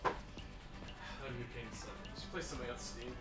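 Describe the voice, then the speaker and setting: A man's voice: mid-range voice, steady tone, normal speed, over loud music. A Canadian man chatting casually and irreverently on a video game live stream, rambling and swearing freely.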